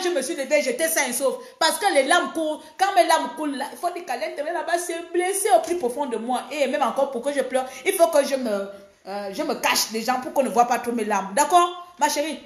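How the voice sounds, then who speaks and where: A woman from Gabon, an activist, talking fast and emphatically in a defiant political monologue. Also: high voice, echoey room.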